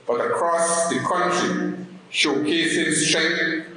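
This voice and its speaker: Slow man speaking in a very echoey hall. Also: fairly high pitch, flat delivery, pushed and bright. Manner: slow deliberate delivery. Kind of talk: formal speech. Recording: very echoey room, faint noise.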